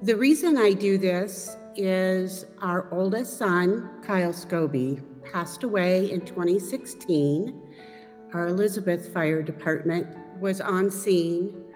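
A woman's voice: fairly low pitch, takes it slowly, darkish tone. A mother telling in a plain, earnest way about her holiday tradition. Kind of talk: recorded personal testimony. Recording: hall reverb with music underneath.

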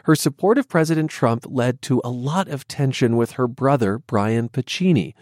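A man reporting and narrating a radio news feature in a measured, scripted delivery. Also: mid-range voice, no room sound, studio quality. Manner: measured, lively intonation. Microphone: studio microphone.

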